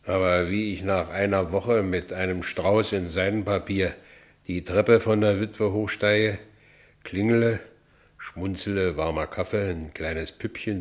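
An actor playing a bitter, self-pitying working-class ex-convict in a radio play, colloquial and with a Berlin accent. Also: male voice, sits low. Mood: indignant, bitter. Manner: colloquial, brooding. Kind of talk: first-person radio play narration.

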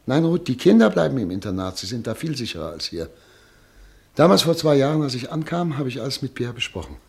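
An exiled doctor in a radio drama, a husband and father carrying real anguish. He speaks at a middle male pitch, earnest and pleading, with firm resolve and an insistent way of pressing his point. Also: very animated, fast talker, creaky. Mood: agitated, insistent. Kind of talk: German radio drama acting.

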